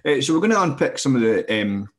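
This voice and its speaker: A man's voice: mid-range voice, very animated, quick pace. A man with a northeast Scottish accent interviewing a guest, polite and hesitant, with many fillers and restarts. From northeast Scotland. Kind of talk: interview hosting.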